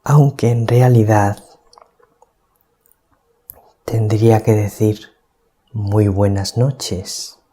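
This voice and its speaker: A priest from giving a calm, deliberate gospel reflection at night, keeping his voice down so as not to wake anyone. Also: fairly low pitch. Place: small hermitage at night.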